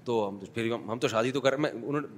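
A man giving a sermon in a mosque, taking questions and telling blunt, humorous stories with acted-out dialogue. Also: medium pitch. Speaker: mufti giving a Sunday lecture. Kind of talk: sermon with anecdotes and audience questions. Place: mosque, before a congregation.

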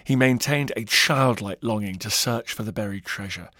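A man's voice: on the low side, normal speed, fairly bright tone, dry recording, studio quality. Dramatic male documentary narrator. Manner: dramatic storytelling, varied emphasis. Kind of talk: scripted historical narration.

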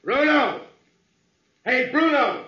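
An actor playing an eager, folksy police sergeant in a 1940s radio crime drama, talking colloquially and repeating himself. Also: male voice, extremely high pitch, expressive, slow pace, pushed and bright, exaggerated voice. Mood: urgent. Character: plain-spoken, eager male police sergeant. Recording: dull, very noisy 1940s radio recording.

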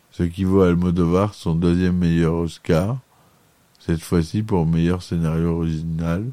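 Male podcast host, low dark voice, dry close sound, reads a chronicle and often trips and corrects himself. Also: no room sound. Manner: reads aloud with frequent stumbles and self-corrections. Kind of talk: read film chronicle.

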